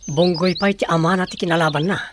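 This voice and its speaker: An earnest tribal son bent on revenge in a film drama acted by a man. His voice is slightly high, with faint noise and birdsong behind it. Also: fairly even intonation, fast, natural voice. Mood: troubled, questioning. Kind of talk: dramatic dialogue in an Ilocano film.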